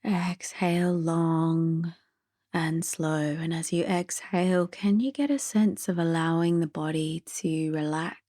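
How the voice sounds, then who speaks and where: Guiding a sleep meditation, this woman uses a low-pitched, mellow and relaxed voice. Her soft, gentle delivery is very slow and frequently eases into a breathy near-whisper, captured closely with no echo.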